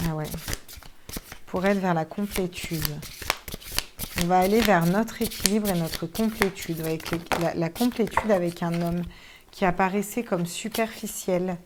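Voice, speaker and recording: With a lowish voice and background noise around her, a tarot card reader chats through a casual reading for viewers, thinking aloud and swearing casually at times.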